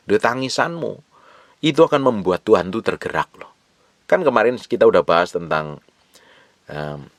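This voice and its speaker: A man preaching a sermon, urging his listeners over and over, with sudden loud bursts and soft whispered asides. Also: sits low, dry recording.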